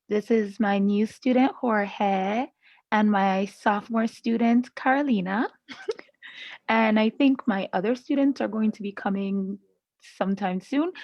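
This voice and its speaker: A woman's voice: a little high, no echo. A woman teaching a live online class, chatty and laughing often with students over a video call. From Canada. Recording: slightly muffled dry video-call audio.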